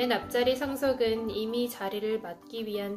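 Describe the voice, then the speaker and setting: Over music in the background, a woman with a fairly high voice speaks at a fairly slow pace. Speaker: announcer. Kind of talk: audiobook reading of an essay. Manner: calm, soothing.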